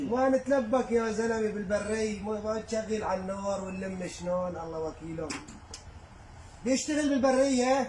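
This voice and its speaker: The speaker uses a rural Syrian accent at a fairly slow pace with ordinary pitch variation. Noticeable background noise is present. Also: man, high pitch for a man. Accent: Syrian, Ruhaiba rural dialect. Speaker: customer. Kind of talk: comic local advertising sketch.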